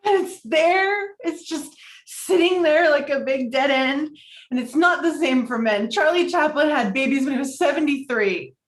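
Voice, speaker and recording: Woman acting a high-voiced, heartbroken neurotic woman, roomy. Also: moderate pace, lightly acted. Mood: sobbing despair. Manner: emotional, self-critical. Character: heartbroken neurotic woman in her thirties, romantic comedy. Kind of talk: virtual table read of a film script.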